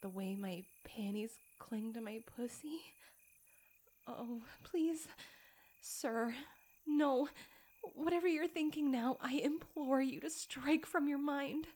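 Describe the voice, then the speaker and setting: A young woman playing a proper young lady who is trapped and pleading, speaking in formal, old-fashioned phrases with breathy whispered pleas. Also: sits high, fairly even intonation, unhurried, a little mellow. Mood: frightened pleading. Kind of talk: solo audio roleplay.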